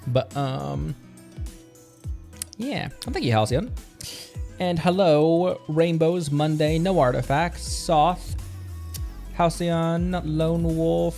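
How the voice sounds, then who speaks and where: A man's voice: a little high, creaky, darkish tone. A man chatting casually as he hosts a gaming livestream, rambling in loose asides. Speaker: streamer and channel host.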